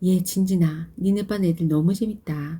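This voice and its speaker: The tone is dark and mellow. The voice is somewhat breathy. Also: woman. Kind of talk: audiobook novel reading.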